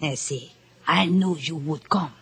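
An actress playing a big, jolly, flirtatious Cuban dance-hall madam in a radio drama, effusive, with a Cuban Spanish accent. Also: female voice, low-pitched, unhurried, husky, heavily acted. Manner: effusive, theatrical, teasing. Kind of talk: 1950s radio drama acting.

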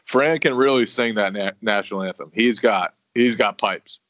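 A man's voice: lowish voice, moderate pace, a bit bright, no echo. A man co-hosting a casual sports podcast, easygoing and self-mocking, often stumbling over his words. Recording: dry, slightly dull lo-fi audio.

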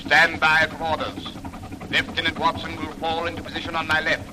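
An actor playing a clipped, authoritative army colonel who gives orders in a 1930s radio drama. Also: male voice, fairly high pitch, monotone, fairly quick, lightly acted. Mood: commanding. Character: commanding army colonel leading tank squadron. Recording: faint hiss of an old radio recording.

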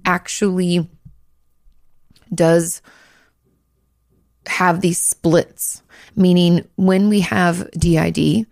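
A woman hosting a podcast, a little hoarse, chatting casually and hedging with frequent likes and restarts. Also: lowish voice, a little mellow, no echo, studio quality. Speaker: podcast host, therapist.

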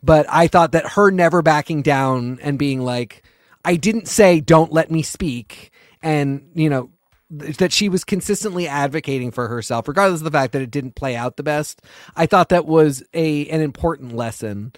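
A man's voice: a little high, moderate pace, no echo, studio quality. A man co-hosting a podcast, chatting casually in a thoughtful, somewhat hesitant way. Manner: thoughtful, hesitant, with many fillers and restarts. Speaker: podcast co-host. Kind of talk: casual chat.

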